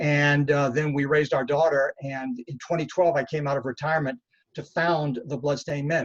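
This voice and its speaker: A man with an American accent speaks at a fairly quick pace in a fairly high, somewhat breathy voice. His intonation stays fairly even. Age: 70s. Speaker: activist, nonprofit founder. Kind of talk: interview. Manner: halting, many fillers.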